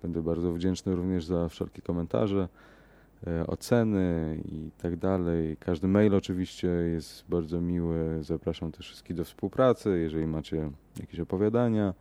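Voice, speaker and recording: A deep, gravelly male voice reads a horror story in a measured, unhurried way. The tone is dark and mellow, and he grows hesitant when he talks off script. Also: fairly even intonation, no echo. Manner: measured, hesitant in the outro with fillers. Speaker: podcast host and reader.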